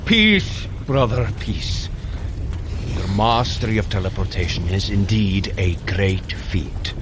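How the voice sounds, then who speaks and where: An actor playing a sturdy warrior god in an audio drama, speaking in a stately, formal and dryly wry manner. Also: male voice, lowish voice, expressive, slow pace, background noise. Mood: soothing. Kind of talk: scripted audio drama for a fitness app.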